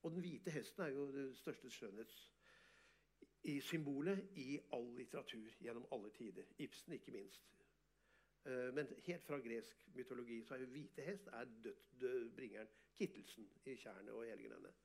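A man, an artist and photographer, telling animated, boastful stories in an interview and often laughing. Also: mid-range voice, gravelly, slightly rough. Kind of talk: casual storytelling interview.

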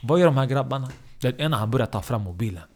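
Profane man telling a comic story. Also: medium pitch. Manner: profane, animated, checks in with the listener. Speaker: comedian.

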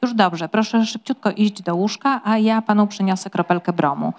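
A woman's voice: mid-range voice, moderate pace, a little mellow, natural voice. A woman reading aloud as a loyal male manservant, speaking in a soothing, reassuring way. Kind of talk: audiobook-style reading of a novel.

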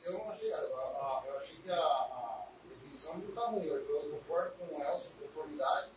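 A fairly high-voiced man speaks up in a group discussion, hesitant and stumbling over repeated words. He sounds far from the mic in a very echoey, noisy room. The audio is dull and lo-fi. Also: animated, a little fast. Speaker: study group participant.

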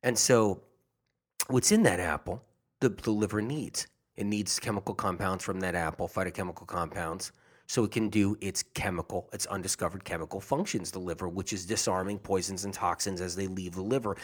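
A man's voice: deep voice, fairly even intonation, a little fast. A man talking casually and earnestly to his audience about health, rambling and often repeating himself. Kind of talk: casual monologue.

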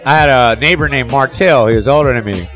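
A man's voice: medium pitch, a little fast, a bit bright, soft background music. A man in his thirties, a rapper raised in Los Angeles whose first language was Spanish, telling stories in a casual backstage interview with lots of fillers and slang. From Los Angeles area, of Salvadoran family. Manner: rambling storyteller, many fillers and slang. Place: backstage at a live hip hop show.

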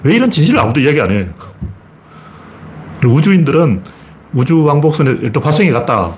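A man talks through a casual lecture, and his pitch swings widely as he argues. He keeps firing rhetorical questions and acting out other people's voices. A faint hum of room ambience sits behind him. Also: a little mellow. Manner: argumentative, rhetorical questions, acts out quotes.

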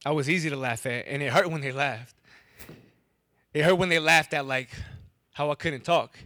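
A man's voice: on the high side, moderate pace, bright, forceful tone, dry recording, studio quality. Young man telling his story with a stutter. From Wisconsin. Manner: stutters, repeats words and breaks off syllables. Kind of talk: first-person storytelling to a live audience.

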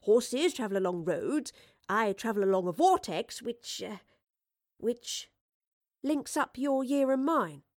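A woman's voice: fairly high pitch, animated, a little mellow, no room sound, studio quality. A woman voicing an educated young Victorian lady inventor, earnest and anxious, in an audiobook story. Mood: earnest, explaining. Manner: well-spoken, earnest, halting when explaining. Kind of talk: acted audiobook dialogue.

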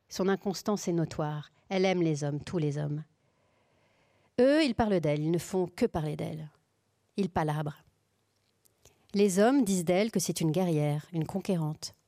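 Warm-voiced woman giving a literary reading. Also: lowish voice, dry recording, clean studio sound, distant mic. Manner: intimate, expressive, drifting between hushed whisper and raised voice. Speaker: actress reading a novel aloud. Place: live reading event.

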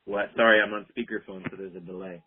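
A man who works as a clinical herbalist talks fast over a tinny speakerphone call with a noisy background, his lowish voice holding a steady tone. As a guest in a casual interview, he rambles in an easygoing way, dropping "like" and "you know" constantly.

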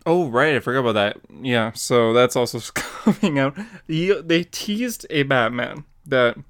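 A man in an easygoing podcast chat who wanders through his thoughts and keeps breaking into laughter. His voice sits at an ordinary middle pitch. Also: expressive, a little slow, fairly bright tone, clear, resonant tone. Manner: rambling and giggly, laughs often mid-sentence. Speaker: podcast co-host and comic artist. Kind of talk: casual chat.

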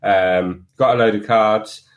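Guy cohosting, kinda low voice, dry deadpan one-liners. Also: takes it slowly, muffled recording. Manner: dry, laconic, deadpan quips. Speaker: podcast co-host. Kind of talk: casual podcast chat.

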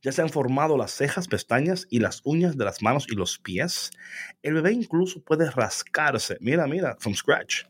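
Here the same kind of co-host reads out a text and pokes fun at its wording, laughing a lot and mixing English into his Spanish. He sounds animated, pitched on the high side, with a breathy edge at a normal speed.

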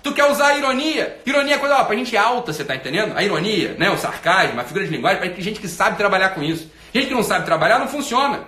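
A man's voice: sits high, animated, fast talker, hardly any pauses, sharp tone. A Brazilian man with a Brazilian Portuguese accent, a self-help coach ranting bluntly and profanely at comments, in an echoey room.

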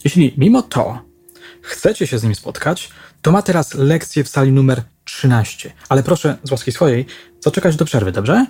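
Stern cool headmistress, a guy reading her, husky low mellow voice. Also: animated, normal speed. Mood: guarded. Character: stern woman school headmistress, guarded.

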